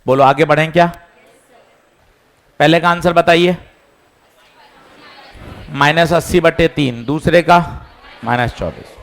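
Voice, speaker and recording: Male physics teacher, slightly high voice, slow, patient drilling, repeats steps. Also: a bit bright. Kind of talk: classroom lesson.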